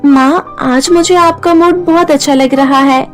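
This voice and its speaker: A woman voicing Pooja, a kind and meek young stepdaughter in a cartoon story, who talks gently and pleads. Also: sits high, steady tone, a little slow, soft background music. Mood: hopeful.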